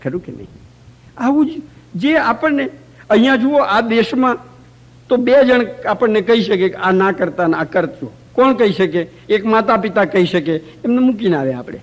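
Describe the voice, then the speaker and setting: A man with a notably high-pitched voice teaches through anecdotes in a religious talk. He keeps turning to his listeners with rhetorical questions. It was recorded live in a community center hall. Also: expressive, normal speed. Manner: asks rhetorical questions of the audience.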